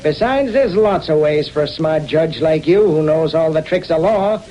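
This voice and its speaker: An actor playing a menacing male gangster who blackmails a judge with slow, insinuating threats. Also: a little high, warm tone, lightly acted, low-quality recording.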